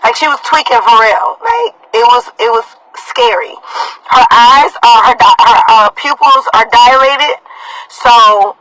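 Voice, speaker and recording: A woman's voice: on the high side, expressive, a little slow, background noise. A woman speaking as a mother on a live video, upset as she tells viewers directly what happened. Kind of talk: casual live-stream talk to viewers.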